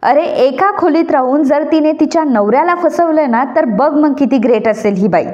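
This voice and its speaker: A woman's voice: high voice, animated, moderate pace, a little mellow, voice pushed up. A woman voicing an angry young husband who feels deceived, speaking in bitter accusing outbursts. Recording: dull lo-fi recording.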